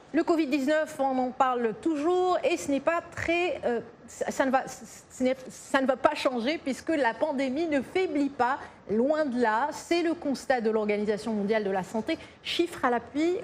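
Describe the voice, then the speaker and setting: A woman's voice: on the high side, a little mellow, slight background noise. A woman presenting radio news, mostly fluent with the odd filler.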